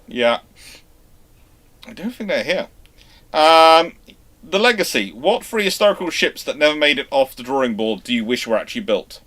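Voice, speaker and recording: A male livestream host with a mid-pitched voice talks casually through listener questions. He explains like an animated storyteller, posing questions and then answering them himself. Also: normal speed, long pauses. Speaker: host of a naval history livestream.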